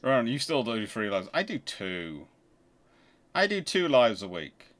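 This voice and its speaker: A man's voice: mid-range voice, sing-song, measured pace, a bit bright. A man hosting a livestream in a casual, chatty way, answering viewer questions and often repeating words as he restarts phrases. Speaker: livestream host.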